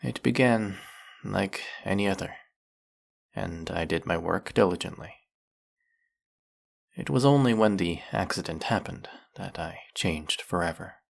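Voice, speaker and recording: An actor playing a snake-headed male villain in an audio roleplay, speaking in a soft, formal, measured way. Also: low voice, lively intonation, gravelly, heavily acted. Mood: bitter storytelling.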